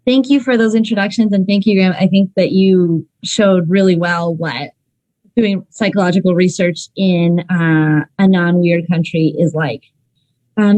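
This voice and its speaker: A woman's voice: mid-range voice, darkish tone, no echo, rough recording. A woman from Ecuador speaks as a clinical psychologist presenting in an online seminar. Her delivery is conversational, with um fillers and restarts. The sound is dry and close. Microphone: video call.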